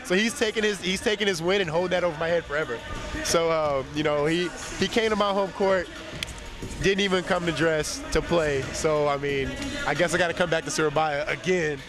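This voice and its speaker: Rambling easygoingly into a handheld mic in an empty indoor arena, a young basketball player chats casually as an interview guest, sounding slightly nasal from a cold. His voice is on the high side and fairly quick, with music playing in the background.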